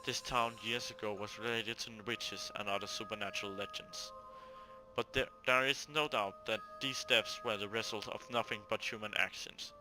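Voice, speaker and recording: A man reading out a serious news report from a visual novel, in a slightly halting way. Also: lowish voice, fairly even intonation, music in the background, close to an everyday voice, rough recording. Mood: sober. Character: sober newspaper reporter on a mass killing.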